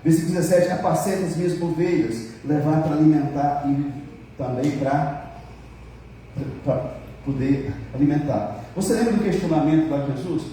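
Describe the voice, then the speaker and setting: Brazilian pastor guy preaching, kinda high voice but dark and mellow, super echoey church hall, sounds far from the mic. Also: a little hiss or hum. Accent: Brazilian Portuguese. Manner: jokes with the congregation; acts out quoted dialogue. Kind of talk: sermon.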